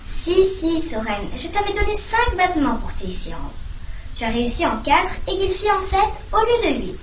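A woman's voice: extremely high pitch, sing-song, normal speed, voice pushed up. A woman voicing a firm but kindly old male owl teacher in a storybook reading, giving encouraging instructions. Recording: roomy echo, distant mic, faint hum.

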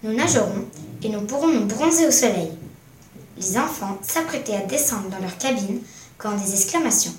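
Storybook reader: a woman with a fairly high voice, clear, even reading, echoey room, mic far off. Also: slight background noise. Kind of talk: storybook read-aloud. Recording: roomy echo, mic at a distance.

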